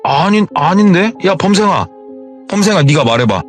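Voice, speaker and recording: A man voicing a confused, hot-tempered young man who shouts and swears. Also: fairly high pitch, sing-song, moderate pace, soft background music, pitched above the performer's own voice. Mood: agitated.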